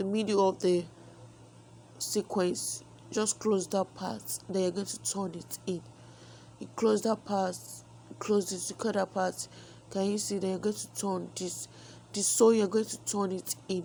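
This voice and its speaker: The speaker talks fairly slowly and softly, with fairly even intonation. Long pauses come often. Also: woman, medium pitch for a woman. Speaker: fashion tutorial creator. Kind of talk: tutorial. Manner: soft-spoken.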